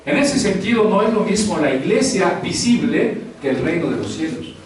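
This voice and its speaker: Male pastor, sermon, high-ish voice, far from the mic in a very echoey hall. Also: animated, moderate pace, a little hiss or hum. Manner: conversational preaching with rhetorical questions. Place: church hall.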